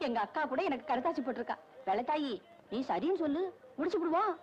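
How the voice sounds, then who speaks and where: A woman's voice: high voice, animated, quick pace. An actress playing a chatty village woman who is keen to arrange a match, with a Tamil accent. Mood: persuasive. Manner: persuasive, chatty. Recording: dull old film soundtrack.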